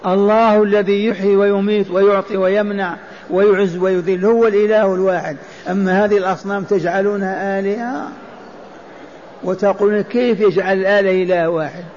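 Male preacher giving an emphatic exegesis sermon, high voice, muffled lo-fi tape. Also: a little mellow. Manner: emphatic, repetitive, rhetorical questions. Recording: dull lo-fi recording with faint noise.

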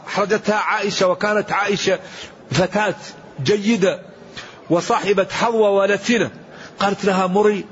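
A man's voice: high-pitched, fairly bright tone, breathy edge, dull audio. A man giving an earnest, emphatic Quran commentary lesson, quoting scripture and sayings as he preaches. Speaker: Quran teacher.

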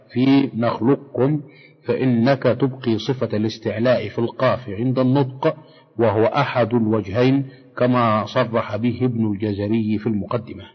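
A man teaching recitation rules in a measured, explanatory way, slowing down to chant example phrases. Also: medium pitch, breathy edge. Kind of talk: instructional lecture on tajweed rules. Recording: dull lo-fi recording in a long-echo hall.

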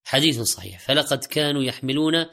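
A man's voice: medium pitch, animated, fast, creaky, bright, forceful tone. A man delivering a religious sermon in formal standard Arabic, exhorting listeners with rhetorical questions and repeated direct appeals. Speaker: preacher.

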